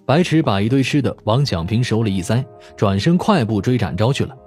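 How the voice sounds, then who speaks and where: A man's voice: fairly low pitch, expressive, fairly quick, darkish tone, soft background music. A man reading a dramatic scripted audiobook narration.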